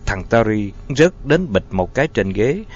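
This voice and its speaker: A man's voice: fairly low pitch, normal speed. Man narrating a story expressively. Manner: expressive, dramatic reading. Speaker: audiobook narrator. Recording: dull lo-fi audio, faint music.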